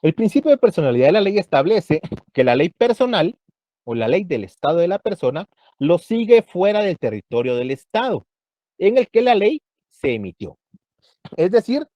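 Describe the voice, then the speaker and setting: A man teaching a university law class, explaining each point slowly and checking in with his students again and again. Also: on the high side, darkish tone, no room sound, highs cut off. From Guatemala. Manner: explanatory, checks understanding with frequent "¿verdad?". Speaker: law lecturer. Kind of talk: university lecture.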